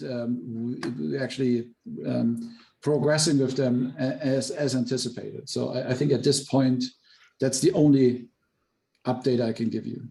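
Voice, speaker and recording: A man speaking as a company executive answering questions on an earnings call, explaining in a halting way with repeated words. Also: mid-range voice, warm tone, low-quality recording.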